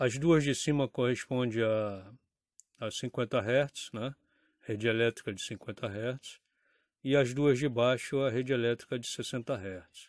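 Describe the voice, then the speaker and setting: Speaking at a very slow pace, a man at medium pitch keeps a fairly even intonation, the sound dry with no echo and the background quiet. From Brazil, Rio de Janeiro city. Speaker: electronics repair YouTuber. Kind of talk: tutorial. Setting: home workshop. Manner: halting, many fillers. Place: workshop. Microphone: phone near.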